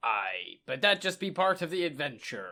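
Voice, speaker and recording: A man puts on a raspy character voice pitched high. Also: moderate pace. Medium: actual play. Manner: hearty, brash.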